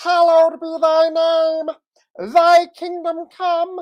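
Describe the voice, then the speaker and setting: A loud, shouted put-on character voice at an extremely high pitch. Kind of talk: grandiose, biblical. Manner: rapturous, ecstatic.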